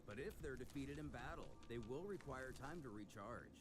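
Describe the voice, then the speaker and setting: A man narrates a comic saga with theatrical drama and a very lively range of pitch. His voice sits in an ordinary middle register. The recording is very noisy, with loud ambience underneath him. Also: normal speed. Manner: theatrical storytelling with voiced character lines. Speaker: narrator reading a comic aloud. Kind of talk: dramatic scripted recap narration.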